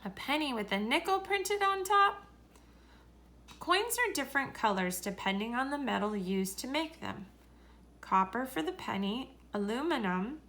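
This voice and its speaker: A woman reading a children's story aloud in a deliberate, expressive way. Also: fairly high pitch. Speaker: story reader.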